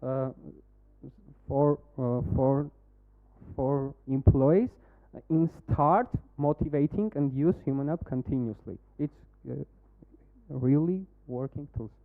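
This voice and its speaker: A man with an Armenian accent pitching a startup, then answering questions in halting English while searching for words. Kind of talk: demo day pitch and Q&A. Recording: phone-like narrow band.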